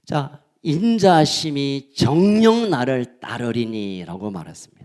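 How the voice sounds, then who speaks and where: A male pastor preaching a sermon in a church, swinging between loud, fervent lines and soft asides. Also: medium pitch, lively intonation, unhurried. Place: church sanctuary.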